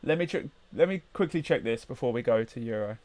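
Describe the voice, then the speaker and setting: A man hosts a live trading stream in a relaxed, chatty way. He talks to viewers and hums and mutters to himself as he reads price charts. His voice sits at a middle pitch, recorded close and dry. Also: a little fast, no room sound. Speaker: livestream trading host. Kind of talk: casual live-stream chat.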